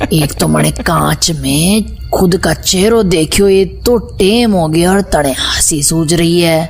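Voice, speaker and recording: A female-sounding voice puts on a character, speaking at a fairly slow pace with hardly any pauses. Clear music plays in the background. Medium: audio drama. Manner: proud, teasing, homely.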